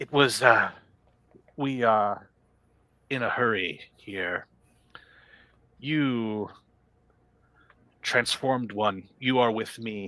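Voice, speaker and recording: Using a put-on character voice, a man at medium pitch speaks at a very slow pace with ordinary pitch variation and long, frequent pauses. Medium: actual play. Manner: formal, commanding.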